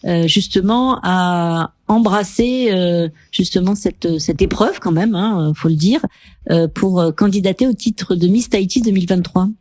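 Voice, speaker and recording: A woman's voice: on the low side, measured pace, a little mellow, no room sound. Chatty woman radio host, dry studio. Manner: friendly, rambling questions with many fillers. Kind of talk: casual radio interview.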